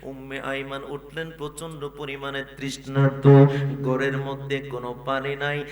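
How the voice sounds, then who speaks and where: A man's voice: medium pitch, flat delivery, unhurried. Chanting preacher man through echoing PA. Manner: chanting storytelling, calls on crowd to respond, bursts into shouts. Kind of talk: sung Bengali waz sermon. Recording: echoey loud PA from far off.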